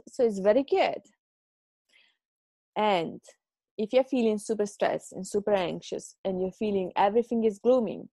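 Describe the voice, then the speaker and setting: Brief: Italian woman podcaster, gravelly low-toned voice, chatty and encouraging, dry close sound. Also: warm tone, no room sound. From Italy. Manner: chatty, self-mocking, encouraging. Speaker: podcast host. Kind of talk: casual advice monologue. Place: home.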